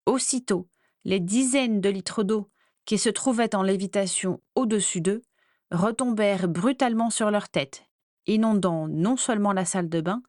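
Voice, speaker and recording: A woman reading a fantasy story aloud as narrator, measured and clear. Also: mid-range voice, a little mellow, no echo, studio quality. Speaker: audiobook narrator. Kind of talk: scripted narration.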